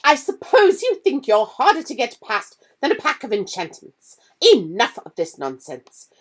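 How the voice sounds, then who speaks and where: A woman reading aloud voices a stern, strict older female teacher who speaks crisply and firmly. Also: fairly high pitch, huge pitch swings, unhurried, a little mellow, pitched above the performer's own voice, full character voice. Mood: angry scolding. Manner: crisp, firm, scolding.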